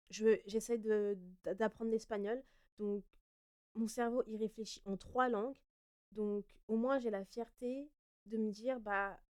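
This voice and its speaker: A young woman from France hosting her own podcast, answering listener questions in a relaxed, chatty way with frequent fillers and self-corrections. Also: medium pitch. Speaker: podcast host. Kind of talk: casual solo Q&A podcast.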